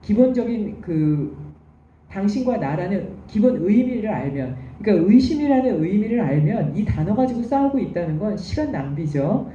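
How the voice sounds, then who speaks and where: A woman's voice: mid-range voice, very animated, normal speed, mellow, a little hiss or hum. A woman giving a recorded university lecture, explaining terms patiently and step by step. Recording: echoey, distant, dull room recording.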